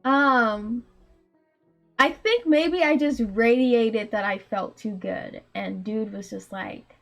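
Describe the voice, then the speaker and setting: A woman in her late twenties with a very high, small voice, telling a story in a casual chat full of laughs and fillers. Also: takes it slowly, creaky, soft background music. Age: late 20s. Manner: animated, laughs often, frequent likes and ums. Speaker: indie game developer and streamer.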